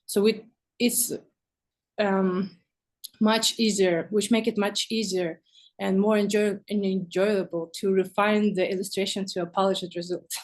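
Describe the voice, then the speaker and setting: A woman who is not a native English speaker, talking casually and haltingly as a guest artist in an interview. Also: mid-range voice, little pitch movement.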